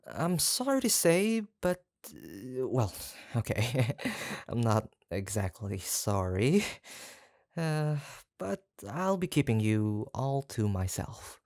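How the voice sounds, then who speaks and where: An obsessive yandere kidnapper from a roleplay audio drama, acted by a voice performer, speaking slowly in a creaky, fry-laden voice. The delivery is doting and possessive, yet awkward and hesitant, rambling along in a close, dry recording. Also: medium pitch, no room sound. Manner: hesitant, rambling, soft-spoken menace with nervous chuckles.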